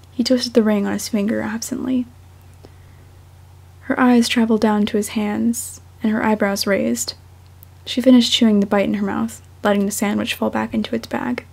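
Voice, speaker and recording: A young woman speaking softly and unhurriedly, as an amateur reader of her own fiction. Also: a little high, level tone, normal speed, creaky, husky. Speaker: fan fiction author and podfic reader. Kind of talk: audiobook-style story narration, then casual self-conscious chat.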